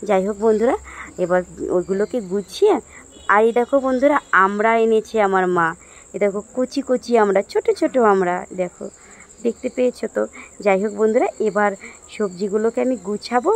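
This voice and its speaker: A hoarse woman chatting casually to her viewers as friends while vlogging her day at home. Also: mid-range voice, fairly quick. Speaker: daily-life vlogger. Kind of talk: casual chat to camera. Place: at home, sitting under a ceiling fan.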